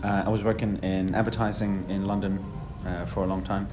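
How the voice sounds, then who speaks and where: A man in his thirties from South Africa, a fitness instructor answering interview questions in a relaxed, chatty way with many ums. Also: sits low, brisk, crowd noise.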